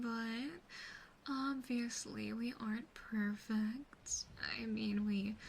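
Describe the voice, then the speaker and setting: A woman voicing an earnest, devoted yandere demon sister in an ASMR roleplay, breathy and often whispering, soft, measured and doting. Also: fairly high pitch, slight background noise.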